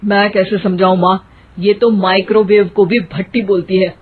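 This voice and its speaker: A woman voicing a young man in a cartoon, a patient but fed-up son who explains things slowly. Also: mid-range voice, little pitch movement, slightly rough, voice pushed down, natural voice. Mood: exasperated. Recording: tinny phone-like audio.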